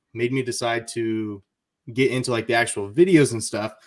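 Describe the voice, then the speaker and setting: A man with an American accent talks at a moderate pace in a medium pitch, with ordinary pitch variation and an unremarkable speaking voice, on a very clean recording with a silent background. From central Illinois. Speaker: sports betting YouTuber, guest. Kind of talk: casual podcast interview.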